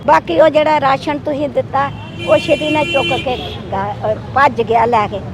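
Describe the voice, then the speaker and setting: A woman's voice: sits high, moderate pace. An elderly widow who weeps and prays aloud, pouring out blessings and her troubles to the man helping her. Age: older. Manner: weeping, praying aloud for blessings. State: crying. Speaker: aid recipient. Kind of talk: tearful pleading and prayer. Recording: crowd and traffic noise outdoors.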